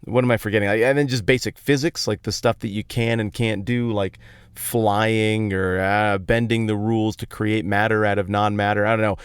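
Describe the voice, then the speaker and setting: Recorded in a parked truck yet sounding dry and studio-quality, a Colorado man hosts a podcast of casual Bible storytelling, colloquial and playfully emphatic. His voice sits on the low side, clear and resonant, with a flat delivery at normal speed.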